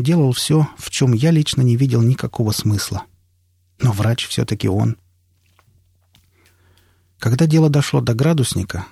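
A man narrating an audiobook in the first person in a steady storytelling manner. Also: medium pitch, gravelly, husky, no room sound, clean studio sound.

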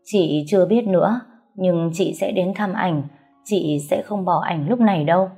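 A woman doing a hushed grieving young wife. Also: lowish voice, unhurried, vocal fry, breathy edge, faint music behind, exaggerated voice. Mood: sad. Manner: sad, hushed.

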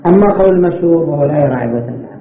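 A man's voice: a little high, expressive, very fast. A man giving a seminary lecture on jurisprudence, explaining point by point and asking himself rhetorical questions. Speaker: religious scholar teaching jurisprudence. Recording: tinny, echoey lecture recording with faint noise.

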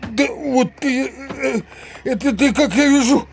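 A man's voice: very high-pitched, takes it slowly, creaky, full character voice. An actor playing a grumbling, muddled older village man in an audio drama, hesitant and blustering, muttering to himself with many interjections. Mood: indignant blustering. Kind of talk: theatrical audio drama acting.

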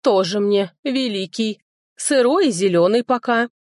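A woman's voice: mid-range voice, unhurried, dry recording, studio quality, voice pushed up, natural voice. A woman voicing a grumpy, sarcastic old male talking sword in a storybook reading. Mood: grumbling. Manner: grumbling, sarcastic.

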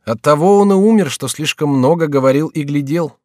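A man voicing a rash young nobleman with a sardonic, brisk manner, in an audiobook reading. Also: medium pitch, expressive, no room sound, clean studio sound, voice pushed up, natural voice. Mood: wry.

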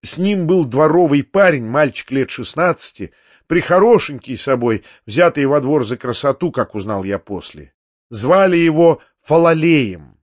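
A man reading a classic novel aloud as a first-person narrator, in a measured and expressive manner. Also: a little high, no room sound, lo-fi sound. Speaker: audiobook narrator.

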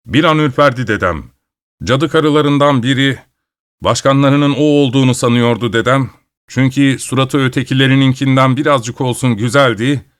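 A man reading a folk tale aloud with expressive delivery. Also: medium pitch, moderate pace. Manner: expressive, shifting voices for characters. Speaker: storyteller. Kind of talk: dramatic story reading.

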